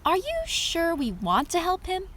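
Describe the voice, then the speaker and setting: A woman's voice: very high-pitched, huge pitch swings, a little slow, fairly bright tone, exaggerated voice. A woman playing a suspicious, melodramatic young volunteer in an amateur theater skit, emphatic and theatrical. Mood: suspicious, insistent.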